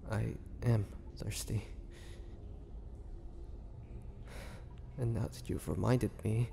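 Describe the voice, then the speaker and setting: A man playing an ancient, gentle and wistful male vampire in an intimate audio roleplay, speaking haltingly with measured pauses. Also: lowish voice, vocal fry, slight background noise. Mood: weary, thirsty.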